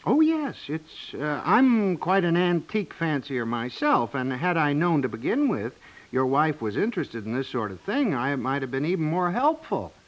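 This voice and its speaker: Obliging, fussy male architect, hesitant delivery, rather high and lively, vintage lo-fi radio comedy. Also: moderate pace. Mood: eagerly obliging. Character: accommodating, fussy house designer warming to antiques. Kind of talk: 1950s radio comedy acting. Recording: dull 1950s radio recording.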